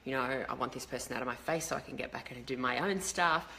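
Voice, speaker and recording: A woman's voice: a bass voice, fast talker, gravelly, sharp tone. A woman with a slightly crackly voice, chatting casually and ramblingly to a live online audience as a leadership coach. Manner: chatty, rambling, greets viewers mid-thought.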